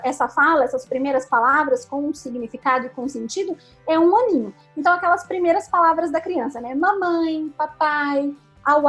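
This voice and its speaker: A woman with a high voice explains things patiently and step by step, as a speech therapist guest. She often checks in with a quick "né?". Soft music plays faintly underneath. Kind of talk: explanatory interview answers.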